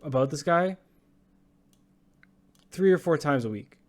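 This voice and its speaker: Casting: young man, a touch high-pitched, blunt and profane sports-podcast co-host. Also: expressive, measured pace. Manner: blunt, profane, ranting with laughs. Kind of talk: casual sports chat.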